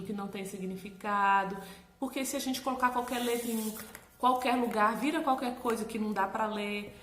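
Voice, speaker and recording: Her voice leaning high and the recording reverberant, a Brazilian Portuguese-accented woman coaches parents on literacy. She's animated and encouraging, often asking "tá bom?" to check they're following.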